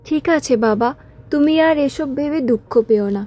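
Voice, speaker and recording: A woman's voice: sits high, moderate pace, dark tone, soft background music, natural voice. A woman playing a caring young village daughter in a cartoon, tender and earnest. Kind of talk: cartoon story dialogue.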